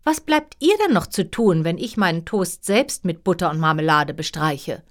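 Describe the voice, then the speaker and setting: A woman voicing a haughty, icy young princess in a fairy tale, pert and quick to talk back. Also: on the low side, expressive, close to an everyday voice. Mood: icy, defiant. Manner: pert, cold, talking back.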